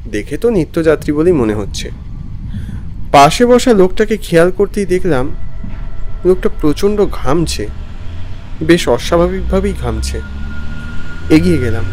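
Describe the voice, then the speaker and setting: A man playing a weary traveller who narrates his own animated ghost story expressively. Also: a little high, moderate pace, pauses often, a little hiss or hum, low-quality recording. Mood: weary, mildly irritated. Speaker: narrator and main character. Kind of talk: dramatized first-person horror narration.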